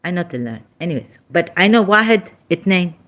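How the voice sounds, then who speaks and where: A woman with a Pakistani accent and Sindhi as her first language, giving an informal religious talk in halting, broken English with many restarts, tired and soft-spoken as she goes on. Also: on the low side, animated. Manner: tired, winded and soft-spoken in later part. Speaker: religious commentator.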